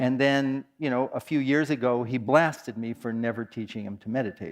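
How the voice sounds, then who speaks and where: A man with a plain, everyday voice and medium pitch. He speaks at a fairly quick pace with fairly even intonation. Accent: American. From US West Coast, San Francisco Bay Area. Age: 60s. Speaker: meditation teacher. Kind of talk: talk to an audience. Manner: conversational.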